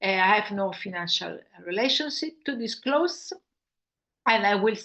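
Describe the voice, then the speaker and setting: A woman speaks with an Italian accent. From Italy. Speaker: physician, professor of gynecology. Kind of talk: lecture. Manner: halting.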